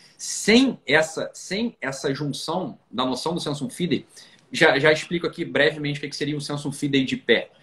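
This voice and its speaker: A man speaks in a plain, everyday voice at a fairly slow pace with ordinary pitch variation. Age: 30s. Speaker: political commentator. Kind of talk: casual chat.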